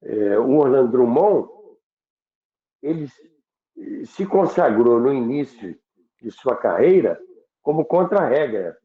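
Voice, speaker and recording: Brazilian man, slowish didactic explainer, halting and repetitive, echoey narrow-band line. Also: medium pitch, very animated. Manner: didactic, halting, repeats and rephrases points. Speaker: radio history commentator and guest. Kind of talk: unscripted explanatory talk recalling broadcasting history. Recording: echoey, narrow phone-like call sound.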